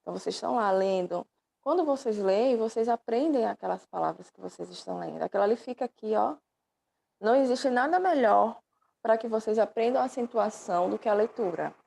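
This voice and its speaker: Gravelly-voiced affectionate woman teacher. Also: mid-range voice, dark tone, a little hiss or hum. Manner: affectionate, calls students "dear"; patient, explains step by step with checking questions. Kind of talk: online class lecture. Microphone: laptop microphone.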